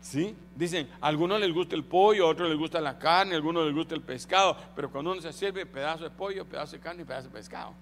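A man's voice: a little high, quick pace, hardly any pauses. A male pastor, preaching a sermon and having the congregation repeat phrases after him. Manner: acts out voices in Bible stories. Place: church hall. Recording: long hall reverb, faint noise.

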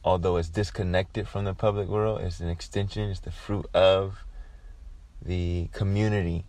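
Guy doing a casual christian teaching, mellow and monotone, kinda halting and thoughtful, pauses a lot. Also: low voice, dry recording. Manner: halting, reflective, pausing often mid-phrase. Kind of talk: informal devotional talk.

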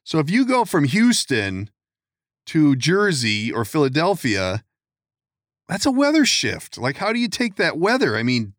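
A man's voice: a little high, huge pitch swings, a little slow, no echo. A man hosting a casual podcast interview from his studio, chatty and joking, rambling a bit as he talks. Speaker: podcast host. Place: studio in Minneapolis.

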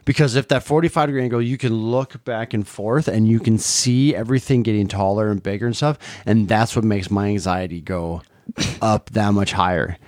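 A man's voice: fairly low pitch, normal speed, a little mellow, no echo, studio quality. A middle-aged man with a Midwestern US accent, co-hosting a casual chat in a chatty, teasing, rambling way. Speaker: podcast co-host, parent.

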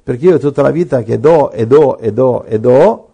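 A man's voice: medium pitch, moderate pace, gravelly, dark tone, husky. A middle-aged man preaching on a radio program, joking and asking rhetorical questions. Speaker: pastor.

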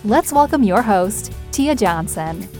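A woman announcer reading a scripted show introduction in a polished, even way. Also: mid-range voice, slow pace. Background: faint music.

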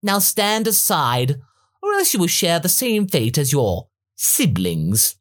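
A man doing a pompous, high-pitched alien tyrant. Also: wildly swooping pitch, takes it slowly, heavily acted. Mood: gloating. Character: smug, cruel alien male tyrant, theatrical.

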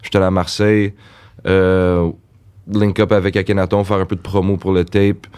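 A man talks in a relaxed, easygoing way, dropping English slang between phrases. His voice sits very low in pitch. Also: moderate pace, clean tone. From Quebec side of Gatineau, near Ottawa. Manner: laid-back, mixes English slang into French. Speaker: guest rapper. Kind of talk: casual interview chat.

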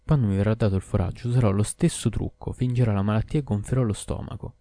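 A man's voice: lowish voice, steady tone, quick pace, mellow, no room sound, studio quality, lightly acted. A man voicing an anxious, obedient male bull in an audiobook, speaking earnestly.

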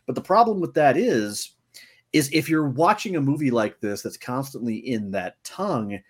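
A man co-hosting a movie review podcast, talking casually and deliberately, often restarting his sentences. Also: medium pitch, expressive, husky. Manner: deliberate, pausing with repeated restarts.

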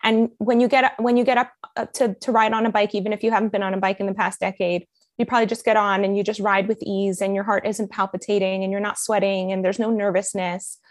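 An American-accented woman from Colombia speaks as a guest in a conversational interview. Her mid-pitched voice is recorded very dry and close, and she tells stories earnestly, with frequent ums and restarts. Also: level tone, quick pace, dry recording. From Colombia, raised in Miami. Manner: earnest storytelling with fillers. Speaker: life coach, podcast guest.

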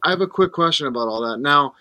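Bright, animated man host. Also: fairly high pitch, fast, dry recording. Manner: animated questioning, repeats himself. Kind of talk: casual podcast conversation.

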